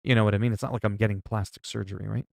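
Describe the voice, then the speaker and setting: A man's voice: fairly low pitch, fairly even intonation, very fast, vocal fry, darkish tone, no echo, clean studio sound. A man in his forties chatting casually and profanely with stream viewers, rambling and explaining things with everyday examples. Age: 40s. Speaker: livestreamer.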